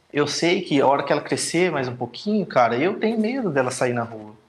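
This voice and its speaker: A man speaks at a moderate pace with lively intonation. He has an unremarkable speaking voice. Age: 30s. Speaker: gamer. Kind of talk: casual chat.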